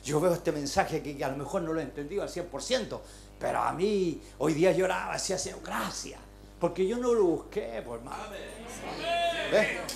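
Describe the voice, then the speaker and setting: A man with a Chilean accent preaching a sermon, moving between soft, confiding talk and fervent shouting. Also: on the high side, expressive, brisk, gravelly, background noise. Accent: Chilean Spanish. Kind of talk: Pentecostal-style sermon. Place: church hall. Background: congregation calling out amens.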